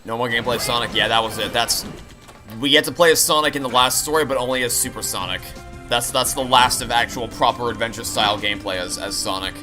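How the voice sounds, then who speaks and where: A man's voice: medium pitch, fast. Analytical male game streamer over music. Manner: analytical, explanatory. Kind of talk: live playthrough commentary and chat. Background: video game music and sounds.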